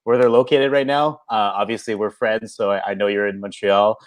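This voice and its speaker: A man's voice: fairly low pitch, steady tone, a little fast. A man hosting a podcast in casual chat, hesitant and often repeating his words as he asks questions. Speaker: podcast host.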